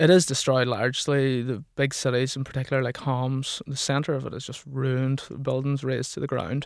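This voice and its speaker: Speaking at a fairly quick pace with fairly even intonation, a man with a Donegal accent and a medium pitch is heard on a very clean recording with a silent background. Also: hardly any pauses. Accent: Donegal Irish. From Ireland, Donegal. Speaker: aid worker. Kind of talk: radio interview. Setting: radio studio.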